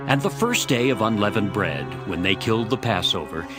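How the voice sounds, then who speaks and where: Casting: man to narrate dramatized scripture, lowish voice, very varied intonation, over music. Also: expressive, brisk. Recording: music behind the voice. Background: background music.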